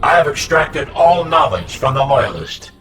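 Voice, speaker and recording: An actor playing a cold, taunting artificial intelligence villain. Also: male voice, a little high, very animated, measured pace. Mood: menacing. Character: cold, menacing male AI machine villain. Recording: distant voice under loud music.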